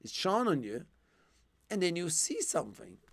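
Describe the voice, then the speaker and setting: A male English teacher explaining vocabulary slowly over a video call, with plenty of ums and restarts. His voice sits a little high and sounds dry and close, and he is starting to lose it. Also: sing-song, gravelly, slightly rough, dry recording. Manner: patient explaining, with frequent fillers and restarts. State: losing his voice. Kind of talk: live online one-to-one English lesson.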